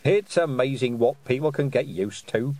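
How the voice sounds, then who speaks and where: A man's voice: medium pitch, lively intonation, normal speed, mellow, natural voice. A man voicing a short, jolly old woman witch who chats in a folksy, knowing way. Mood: cheeky.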